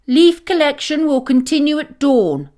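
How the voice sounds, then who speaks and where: A woman voicing a stern, commanding caterpillar matron in a children's storybook, speaking deliberately. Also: high-pitched, big pitch swings, a little mellow, pitched above the performer's own voice.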